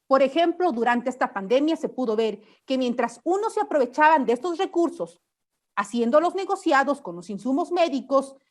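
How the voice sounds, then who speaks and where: A woman legislator gives a formal, measured speech to the chamber, arguing her case from prepared remarks. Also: sits high.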